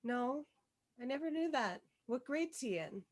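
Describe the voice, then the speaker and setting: A woman reading the part of an awkward, anxious but stubborn young teenage schoolgirl in a screenplay table read, halting and apologetic. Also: high-pitched, lively intonation. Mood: nervous, meek.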